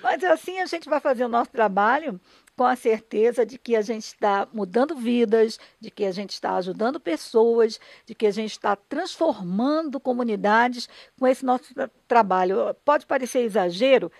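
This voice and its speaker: A woman's voice: on the high side, moderate pace, gravelly, a little mellow, no room sound. A Brazilian woman, a radio dramatist and broadcaster, explaining her work conversationally and earnestly in an interview, often checking for agreement.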